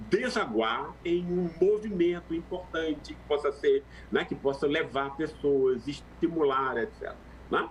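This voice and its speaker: Noticeable background noise sits behind a man speaking at a fairly slow pace. His loudness swings widely. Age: 60s. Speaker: sociologist and author. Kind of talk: interview conversation. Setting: live stream. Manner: halting, many fillers.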